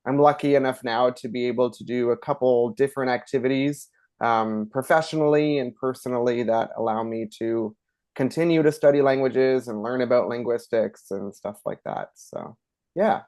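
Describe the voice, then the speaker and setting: A man in his thirties from Canada, a schoolteacher talking as a podcast guest in a relaxed, chatty way with many ums. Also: mid-range voice, normal speed. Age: 30s. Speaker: guest, elementary school teacher. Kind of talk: casual interview talk.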